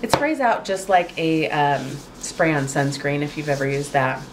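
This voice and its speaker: A woman vlogging casually to camera at home, chatty and full of fillers, her voice a little raspy from a cold. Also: low voice, lively intonation, measured pace, noisy background. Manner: chatty, lots of fillers and likes. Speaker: beauty vlogger. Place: home, indoors.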